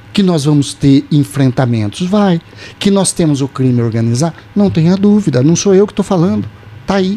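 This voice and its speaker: This man's pitch swings very widely and sits fairly high. His pace is moderate and his loudness very even. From Piracicaba, São Paulo state, Brazil. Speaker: state legislator, former mayor. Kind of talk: interview. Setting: studio. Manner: hesitant, many fillers.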